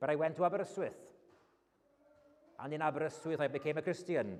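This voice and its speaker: Fairly quick speech in a Welsh accent. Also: man. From Wales. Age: 50s. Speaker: lay preacher, school teacher. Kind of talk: sermon. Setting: church evening service.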